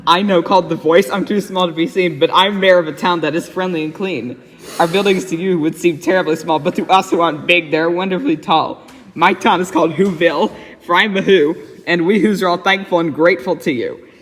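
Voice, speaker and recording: High-voiced man reading a storybook, echoey. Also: a little fast, fairly bright tone. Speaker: storybook reader. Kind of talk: dramatic reading of a rhyming storybook. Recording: echoey, very reverberant room.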